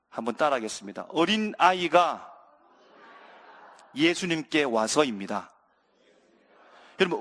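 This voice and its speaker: Animated high-voiced male preacher. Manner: animated, asks the congregation questions and acts out scenes. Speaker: pastor. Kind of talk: sermon. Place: church sanctuary. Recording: reverberant church sanctuary.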